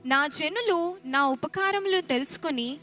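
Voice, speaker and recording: A woman reading Bible verses aloud during a sermon, in a steady and formal recitation. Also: high voice, a little slow, soft background music. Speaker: scripture reader.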